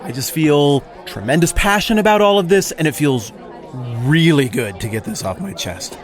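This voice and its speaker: A man's voice: on the high side, animated, normal speed, faint music behind, some chatter behind, lightly acted. A man playing a self-righteous Pharisee who rants defensively and sarcastically about being wronged. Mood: sheepish. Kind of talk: comic monologue in character.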